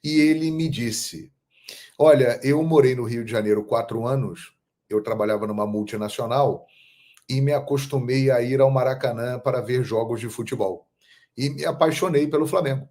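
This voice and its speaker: A man from Brazil hosting a football channel, telling stories in a measured, emphatic monologue. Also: medium pitch, a little mellow. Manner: measured, storytelling, emphatic on key phrases. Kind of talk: casual monologue to camera.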